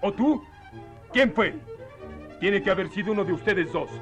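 A man's voice: high-pitched, animated, normal speed, soft background music. A man playing a miserly, hot-tempered farm boss in a theatrical radio play, accusing, threatening and full of self-pity. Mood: angry, threatening.

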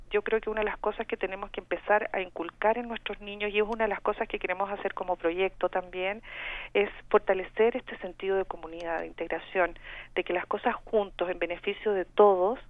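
A woman's voice: mid-range voice, no room sound. A middle-aged Chilean woman calling in to a radio talk show as a community organizer, speaking earnestly with many restarts. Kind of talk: phone-in radio discussion. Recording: tinny phone line.

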